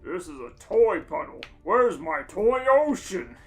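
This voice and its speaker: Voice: mid-range voice, big pitch swings, a little slow, faint music behind. A podcast reader voicing a brash, childishly demanding action-hero man in a comic fan story. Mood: angry.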